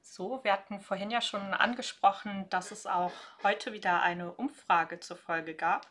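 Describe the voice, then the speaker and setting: Bright-voiced young woman podcaster. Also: mid-range voice, steady tone, a little slow. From North Rhine-Westphalia, Germany. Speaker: podcast co-host. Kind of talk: casual podcast discussion.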